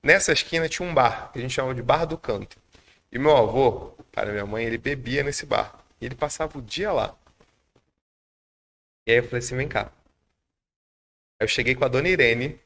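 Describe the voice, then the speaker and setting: Podcast guest, Brazilian man, mid-range gravelly voice, animated storyteller who acts out dialogue. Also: mid-range voice, fairly quick, pauses often. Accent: Brazilian Portuguese.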